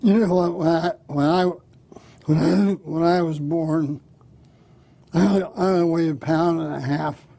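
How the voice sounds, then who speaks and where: A man's voice: on the high side, steady tone, creaky, warm tone, full character voice. Older man doing a stammering drunk guy. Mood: boastful. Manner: slow stammering repetitions. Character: rambling slow-talking male drunk.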